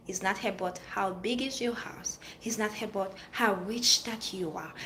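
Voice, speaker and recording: This woman speaks with a Haitian-French accent and comes from Haiti or France. Her voice is medium-pitched and fairly bright as she delivers an earnest motivational talk of life advice, repeating phrases for emphasis. The recording is rough, with a slight hiss or hum.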